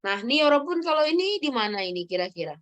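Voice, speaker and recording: A woman teaching a language lesson, ending phrases with quick check-ins to her students. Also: high voice, sing-song. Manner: tags sentences with "ya" and calls on students.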